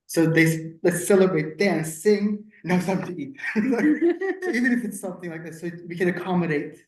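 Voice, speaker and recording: A woman's voice: on the low side, animated, moderate pace, a little mellow. Chatty Turkish-born woman in echoey room. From Turkey. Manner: chatty, laughing asides, frequent fillers. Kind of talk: casual meeting discussion. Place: council meeting room. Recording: echoey meeting room from far off.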